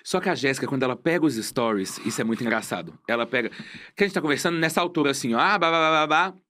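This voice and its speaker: A young Brazilian man talks at a quick clip, at a middle pitch. He tells his stories casually, slipping into the voices of the people he quotes. His Brazilian Portuguese accent is easy to hear. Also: slight background noise. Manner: fast animated storyteller, acts out quotes. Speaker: guest. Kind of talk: casual chat.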